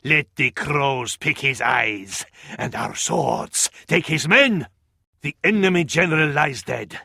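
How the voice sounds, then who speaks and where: High-voiced, fervent Arab battlefield advisor. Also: male voice, lively intonation, takes it slowly, vocal fry, sharp tone, dry recording, clean studio sound, heavily acted. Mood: stern. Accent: Arabic. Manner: ornate, dramatic, proverb-laden delivery. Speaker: military advisor in a strategy game. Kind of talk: theatrical video game voice acting.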